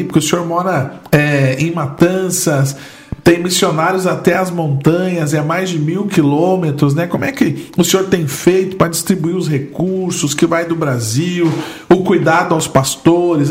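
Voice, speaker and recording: Man, Brazilian accent, fairly high pitch, interview host, roomy sound with music. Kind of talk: conversational religious interview. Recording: echoey room with music behind.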